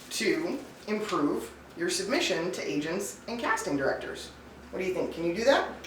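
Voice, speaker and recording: A woman at a medium pitch, very wide pitch swings, and noticeable background noise. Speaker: voice actor and voice over coach. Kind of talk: casual talk to camera.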